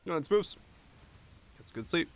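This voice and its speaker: Casting: young man from Finland with an American accent, streamer, loose, rambling, cursing casually. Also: normal speed. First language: Finnish. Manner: rambling, loose and profane, with many restarts. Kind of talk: casual chat with stream viewers.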